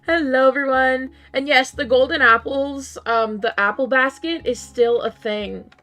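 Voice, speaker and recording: Slightly hoarse woman streamer, chatty. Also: high voice, takes it slowly, fairly bright tone, faint music behind. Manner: chatty, laughs often, many "um" fillers. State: slightly hoarse, losing her voice. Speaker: game streamer. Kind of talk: casual live-stream chat.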